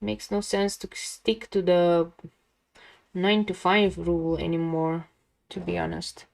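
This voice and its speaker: A young woman with a calming voice chatting casually with viewers while she draws on a livestream. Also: lowish voice, measured pace, vocal fry. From lives near a big Dutch city. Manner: chatty, talks to chat viewers, laughs often. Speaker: art livestream host. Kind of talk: casual chat while drawing.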